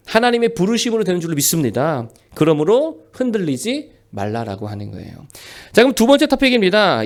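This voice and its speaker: A man in his forties preaching a sermon as a pastor, emphatic and animated, asking rhetorical questions. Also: sits high.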